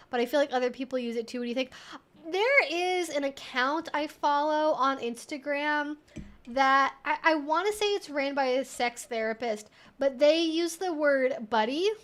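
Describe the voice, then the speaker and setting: A woman's voice: high-pitched, normal speed. A woman hosting a casual livestream Q&A, talking conversationally and emphatically as she thinks aloud. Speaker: livestream host. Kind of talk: casual Q&A livestream chat, reading viewer comments.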